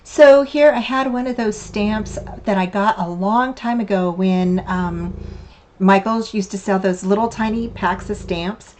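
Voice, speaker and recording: Chatty, slightly hoarse grandmother crafter. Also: mid-range voice, a little slow, a little mellow, slight background noise, rough recording. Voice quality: slightly raspy. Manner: chatty, meandering, with many fillers and restarts. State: hoarse, recovering from a cough. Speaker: craft channel host. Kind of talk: casual craft tutorial narration.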